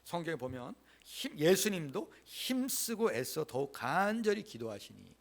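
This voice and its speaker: A man preaching a Sunday sermon in a church, his voice sitting a little high and swinging widely up and down. He stresses key phrases by repeating them and has the congregation say lines back with him. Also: very animated, measured pace, creaky. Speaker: pastor. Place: church sanctuary.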